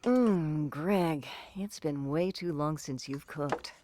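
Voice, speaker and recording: A woman's voice: low-pitched, slow pace, background noise. An actress playing a protective, teasing middle-aged mother in an audio drama. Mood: warm, teasing. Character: warm, teasing, protective mother of a teenage son.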